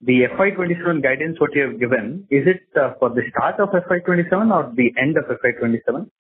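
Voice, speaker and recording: A man's voice: medium pitch, animated, fast talker, breathy edge. A man with an Indian accent asking questions as a caller on an earnings call, politely and hesitantly. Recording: narrow phone line with faint noise.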